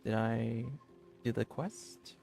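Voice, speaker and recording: Male streamer, casual game commentary, halting, thinking aloud, mid-pitched voice, faint music behind. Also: fairly even intonation, gravelly, darkish tone.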